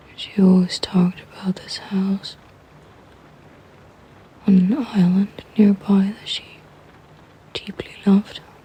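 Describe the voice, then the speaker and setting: A woman speaks at a very slow pace in a medium pitch, her intonation flat and monotone, her loudness swinging widely, with long, frequent pauses and noticeable background noise. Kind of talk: ASMR sleep aid rambling. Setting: rain in the background. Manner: sleepy, soft-spoken, slow.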